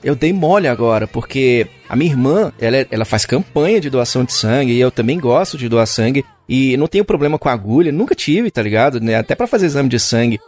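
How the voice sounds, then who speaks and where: Quick, laughing male co-host. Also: medium pitch, faint music behind. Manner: laughing, slangy, animated. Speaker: podcast co-host. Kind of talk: casual chat.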